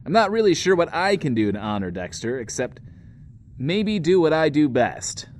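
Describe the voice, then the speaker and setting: A man's voice: on the high side, big pitch swings, normal speed, slight background noise. A man playing a sincere, hesitant radio DJ in an audio drama. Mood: heartfelt. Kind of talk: in-world radio host acting.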